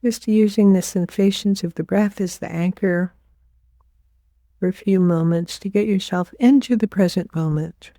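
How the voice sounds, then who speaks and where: A woman leading a guided meditation as a teacher, giving gentle, unhurried instructions with pauses. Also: mid-range voice, no echo.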